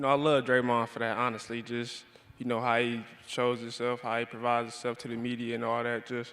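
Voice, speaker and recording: At a fairly quick pace, a man with an American accent speaks in a monotone, flat way. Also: medium pitch for a man. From Detroit, Michigan. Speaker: basketball player, draft pick. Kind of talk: press conference Q&A.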